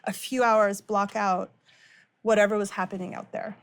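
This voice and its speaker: A middle-aged woman with an American accent, explaining a dish and telling personal stories in an expressive way as a guest cook. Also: medium pitch, moderate pace. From born in Iran, raised in Arizona, US. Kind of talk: cooking demonstration with personal storytelling. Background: music and frying sizzle.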